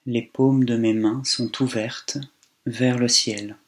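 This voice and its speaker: A man leading a guided body scan meditation in a calm, unhurried way, leaving long pauses between phrases. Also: medium pitch.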